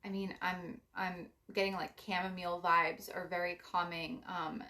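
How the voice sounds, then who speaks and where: Raspy-voiced woman reading cards. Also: on the low side, flat delivery, moderate pace. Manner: meandering, filler-heavy, gentle advice. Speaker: psychic card reader. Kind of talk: casual spiritual card reading to camera.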